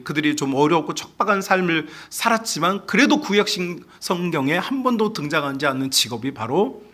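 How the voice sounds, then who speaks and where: A man preaching a sermon as pastor, animated, often asking the congregation questions and acting out quoted speech. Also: fairly high pitch. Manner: acts out quoted speech in other voices.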